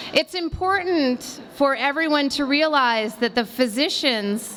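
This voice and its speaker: Noticeable background noise sits behind a woman's high-pitched voice. She talks at a fairly slow pace with lively intonation. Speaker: obstetrician. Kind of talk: public talk. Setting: stage with audience. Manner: soft-spoken.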